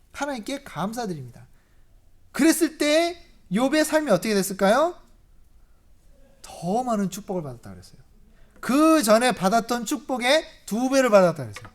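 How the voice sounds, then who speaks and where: Emphatic preacher with rhetorical questions. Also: medium pitch. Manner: asks the congregation many rhetorical questions; lively, emphatic, rises in volume on key points. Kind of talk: sermon.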